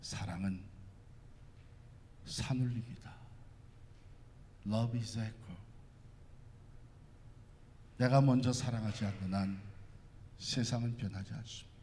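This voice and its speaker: A man's voice: fairly low pitch, slow pace, pauses often, mellow, a little hiss or hum. A man preaching a sermon as pastor, with impassioned, repetitive cadences. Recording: echoey church hall.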